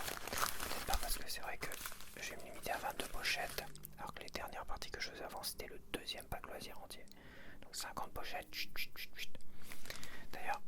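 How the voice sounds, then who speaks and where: A man speaking in an unvoiced whisper, chatting casually and informally in a rambling, self-correcting ASMR style. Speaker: ASMR video creator.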